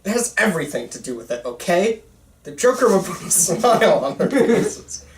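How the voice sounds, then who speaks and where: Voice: medium pitch, big pitch swings, moderate pace, slight background noise. A person reading the lead part in an amateur script table read, casual and conversational with some stammering. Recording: roomy, echoey room.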